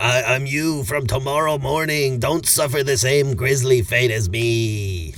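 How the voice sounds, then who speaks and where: In a put-on character voice, a man talks fairly slowly with a medium pitch. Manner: ominous, ghostly.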